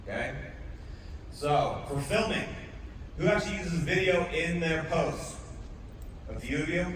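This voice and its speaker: Guy giving a workshop talk, keeps asking okay?, sounds far off in a big echoey room with some noise. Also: mid-range voice. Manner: casual, with frequent "okay?" check-ins to the audience. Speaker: workshop presenter. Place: conference room, speaking to a live audience.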